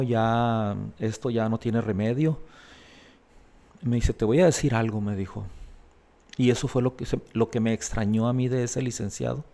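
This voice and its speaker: A man's voice: mid-range voice, creaky, mellow. A man earnestly recounting a personal testimony in an interview, acting out the voices of the people he quotes. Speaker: guest telling his life story.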